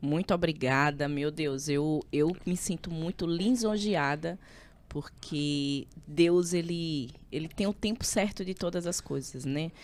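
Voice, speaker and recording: A woman speaks at a very slow pace with a northeastern Brazilian accent. Her fairly low pitch shows ordinary variation on a very clean recording with a silent background. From Northeast Brazil, Maceió, Alagoas. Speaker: pastor and author. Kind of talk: podcast interview.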